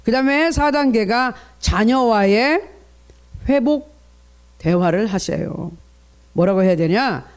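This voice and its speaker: A man in middle age delivers an early-morning sermon as a pastor, his voice sitting high for a man. He preaches earnestly, reading scripture aloud and speaking out a parent's inner thoughts to make his points. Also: expressive, slow pace, pauses often, clean tone.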